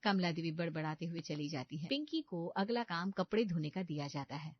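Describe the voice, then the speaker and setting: A woman's voice: fairly low pitch, brisk, no room sound. A woman giving scripted storytelling narration for a cartoon. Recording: dull lo-fi dry recording.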